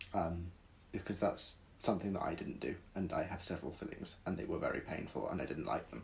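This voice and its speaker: Somewhat breathy, a man speaks very fast in a very deep, low pitch with ordinary pitch variation. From Botswana and South Africa. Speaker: podcast guest. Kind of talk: casual interview chat.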